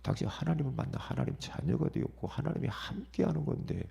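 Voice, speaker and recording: A middle-aged male pastor preaching a dawn sermon, shifting sharply between hushed whispers and loud outbursts and often calling "예?" to the congregation. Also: a little high, expressive, fast talker, vocal fry, breathy edge. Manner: dramatic swings from whispers to shouts; asks the congregation "예?" for response.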